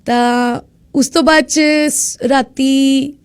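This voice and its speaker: A young woman from India, a student guest on a radio show, telling her story in a lively way and acting out what people said. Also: high voice, slow. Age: young adult. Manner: lively storyteller who acts out quoted speech. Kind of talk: casual storytelling interview.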